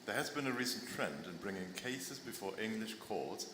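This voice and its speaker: A man relaying an online audience question to a panel in a brisk, businesslike way. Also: on the low side, expressive. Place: conference hall. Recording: echoey hall with audible room noise.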